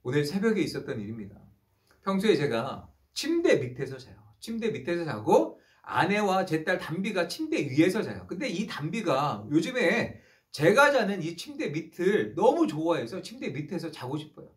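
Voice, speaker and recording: A man's voice: fairly high pitch, wildly swooping pitch, moderate pace. A man in his thirties, a pastor preaching an online youth sermon with rising emphasis on key phrases.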